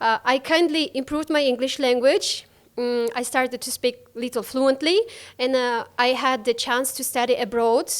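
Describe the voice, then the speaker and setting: A woman's high-pitched voice with a Kazakh accent, at a moderate pace and with fairly even intonation. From eastern Kazakhstan. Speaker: travel vlogger. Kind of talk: interview. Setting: podcast. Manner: halting, many fillers.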